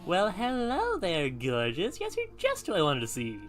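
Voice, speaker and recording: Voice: mid-range voice, wildly swooping pitch, normal speed, faint music behind. An actor voicing a mischievous white rabbit in a video game, flirtatious and taunting as it schemes and pushes. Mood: flirty, smug. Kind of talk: video game cutscene acting.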